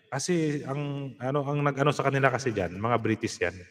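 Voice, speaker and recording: A man hosting a casual live stream, reading out viewer comments and giving shout-outs, laughing often. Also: mid-range voice, fairly quick, big-room sound. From Philippines.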